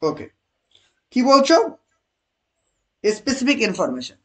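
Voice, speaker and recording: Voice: mid-range voice, sing-song, a bit bright. A teacher running an online exam-prep lesson, asking the class questions, repeating key answers and praising students by name. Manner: reads English options slowly.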